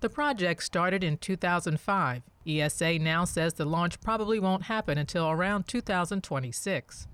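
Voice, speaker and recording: A reporter reading scripted news in a clear, formal way. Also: medium pitch, normal speed, few pauses, a bit bright.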